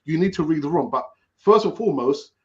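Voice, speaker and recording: A man's voice: a little high, animated, fairly quick, darkish tone. A man in a casual chat giving advice, speaking emphatically and repeating key words. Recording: dull lo-fi sound.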